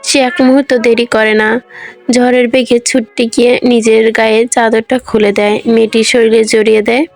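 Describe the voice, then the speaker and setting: Woman narrator, higher voice, measured dramatic reading, soft music behind. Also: level tone. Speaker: story narrator. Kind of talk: scripted audiobook narration. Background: soft background music.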